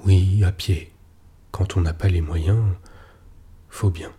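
A man reading as a worn-out old sailor, low husky voice, slow and flat, plain spoken, dark tone, like he's telling it straight with no fuss. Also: heavily acted. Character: weathered older sailor returning home, blunt.

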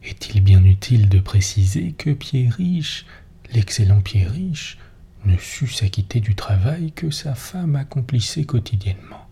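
A man's voice: mid-range voice, lively intonation, a little slow, gravelly, slightly rough. Man whispering a folk tale. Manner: soft whispered storytelling. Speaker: storyteller. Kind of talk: whispered role-play.

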